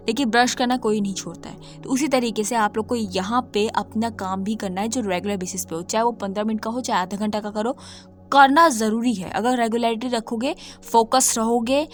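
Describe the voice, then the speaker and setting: Woman tutor with a slightly hoarse throat, emphatic and repetitive, over soft background music. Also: fairly high pitch. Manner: emphatic, repeats points, mixes English terms into speech. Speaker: coding tutor. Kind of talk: casual talk-to-camera lesson.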